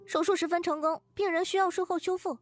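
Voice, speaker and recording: A woman playing a brisk, matter-of-fact hospital medic in a comic audiobook. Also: very high voice, steady tone, soft background music. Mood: brisk, puzzled. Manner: brisk, puzzled retorts.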